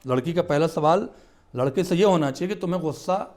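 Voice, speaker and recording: A man's voice: on the high side, darkish tone. A man on a studio talk show, explaining marriage advice in an earnest, emphatic way. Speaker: religious scholar guest.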